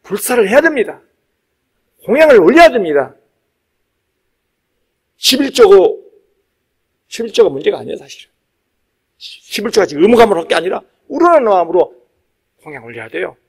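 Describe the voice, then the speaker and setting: Man, Buddhist monk, high voice, widely swinging intonation, dharma sermon, emphatic, repetitive, weighty pauses. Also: big pitch swings, breathy edge. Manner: emphatic, exhortative, repeats key phrases, pauses for weight. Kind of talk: sermon to a live congregation.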